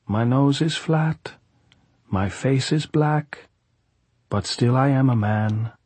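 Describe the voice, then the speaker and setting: A man's voice: fairly high pitch, big pitch swings, moderate pace, darkish tone, slightly rough, dry recording, voice pushed up, exaggerated voice. A man voicing a tipsy, mocking gypsy guerrilla in an audiobook novel, urging insistently in stilted old-fashioned phrases. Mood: mournful, mocking.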